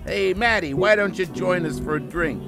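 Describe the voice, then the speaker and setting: A man's voice: high voice, normal speed, vocal fry, music in the background. A man playing a glib, mocking two-timing small-time hood in a noir radio drama. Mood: smug, evasive.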